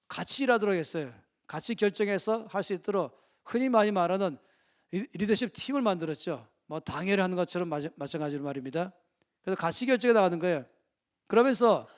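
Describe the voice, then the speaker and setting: A middle-aged male pastor preaching a sermon, telling stories dramatically and swinging between loud bursts and quiet asides. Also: sits high.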